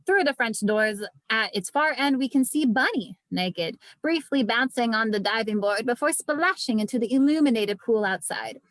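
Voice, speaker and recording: A woman's voice: on the high side, animated, moderate pace, hardly any pauses, fairly bright tone, no echo. A woman narrating screenplay stage directions in a virtual table read.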